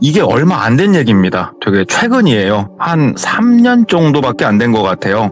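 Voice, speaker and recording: Music plays behind a man speaking at a moderate pace. His intonation is lively. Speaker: storyteller guest, car salesman. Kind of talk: storytelling in casual chat. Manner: polite, formal.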